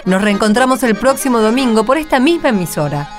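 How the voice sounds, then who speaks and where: A woman's voice: fairly high pitch, sing-song, brisk, soft background music. A woman with an Argentine accent reading scripted narration as a radio presenter.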